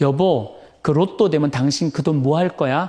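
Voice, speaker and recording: Against a quiet background, a put-on character voice comes through nasal and low-to-middle in pitch at a moderate pace. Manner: coaxing, sweet.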